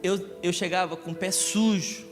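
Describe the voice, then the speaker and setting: A man's voice: sits high, fairly even intonation, normal speed. A man from Rio, preaching a live Sunday sermon, joking and asking his congregation questions. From Rio de Janeiro, Brazil. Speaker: pastor. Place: church service in a large hall. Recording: echoey church hall with music.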